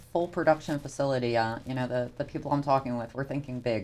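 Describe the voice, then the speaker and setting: In an American accent, a woman speaks at a very fast pace. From New Jersey, South River. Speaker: cannabis edibles business founder. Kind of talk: interview.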